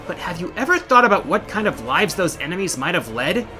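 A man's voice: high-pitched, very animated, fairly quick, sharp tone, soft background music. A middle-aged man hosting a countdown in scripted video essay narration, with an emphatic, theatrical delivery. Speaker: video game countdown host.

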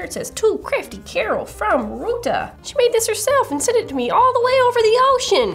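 A young woman hosting a children's craft tutorial, bubbly and playful with jokey asides. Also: sits high. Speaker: kids' craft show host.

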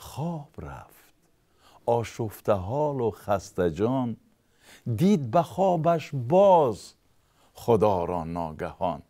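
A man's voice: medium pitch, big pitch swings, dark tone. A man with a Tajik accent reciting a long story poem in a chanted, rhythmic way. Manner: chanted, rhythmic, sing-song delivery. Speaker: narrator.

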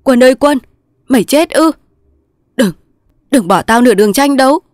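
A woman voicing a young male resistance soldier, pleading in loud sobbing outbursts in a storybook reading. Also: on the high side, brisk, no echo, clean studio sound, pitched above the performer's own voice, close to an everyday voice. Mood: grieving.

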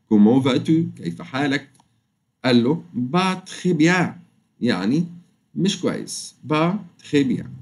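A man with an Egyptian Arabic accent teaching a French lesson online, drawing the French phrases out slowly before explaining them. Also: mid-range voice. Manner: fast, lively explaining, drawls French words out slowly.

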